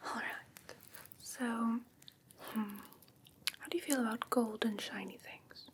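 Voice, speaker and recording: A woman playing a curious, haughty fae creature in an ASMR fantasy roleplay, whispering softly in a hesitant, musing, gently condescending way. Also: a little high, fairly even intonation, slow pace. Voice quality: soft breathy whisper.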